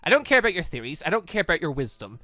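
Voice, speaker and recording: A man's voice: on the high side, very animated, rapid-fire, pushed and bright, dry recording. Man reading as a blunt, angry military chief. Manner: blunt, commanding, accusatory. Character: stern, angry male military security chief. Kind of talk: visual novel dialogue reading.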